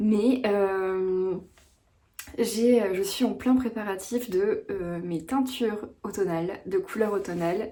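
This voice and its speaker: Speaking at a very slow pace, a woman has a medium pitch and fairly even intonation. Audible room echo surrounds her voice. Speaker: knitting podcaster and yarn dyer. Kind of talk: casual vlog chat. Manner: halting, with many filler words; articulating more carefully.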